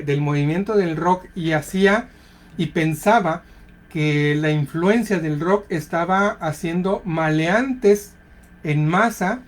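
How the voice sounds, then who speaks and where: A Mexican-accented radio host talking in a relaxed, conversational way. The host keeps checking in with the listener through short tag questions and everyday fillers, recorded in a studio. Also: mid-range voice. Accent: Mexican Spanish. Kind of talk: casual radio talk.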